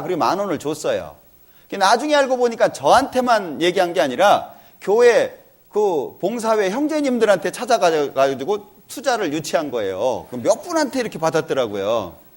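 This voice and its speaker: A man's voice: fairly high pitch, a little mellow. A middle-aged man giving a church lecture, telling an earnest personal story about his family and acting out their talk.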